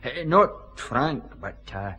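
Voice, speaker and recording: Scruffy Glasgow newsvendor, Scottish accent, wheedling, lively pitch, bright. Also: male voice, slow pace, slightly rough, heavily acted. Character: scruffy jailed Glasgow newspaper seller, sly and easygoing. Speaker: small-time drunk informant. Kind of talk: radio drama acting.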